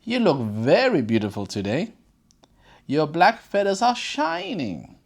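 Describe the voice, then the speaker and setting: Storyteller as sly female fox for a storybook fable: coaxing, drawn-out lines, swooping intonation. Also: medium pitch, huge pitch swings, vocal fry, voice pushed up, heavily acted. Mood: sly flattery. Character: crafty, flattering female fox in a children's fable.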